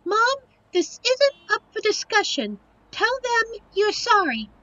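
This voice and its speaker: A woman's voice: very high voice, sing-song, takes it slowly, bright, forceful tone, muffled recording, exaggerated voice. A woman playing a young, devoted succubus girlfriend in an audio roleplay, earnest, emotional and protective. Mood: stern, protective. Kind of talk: audio roleplay drama acting.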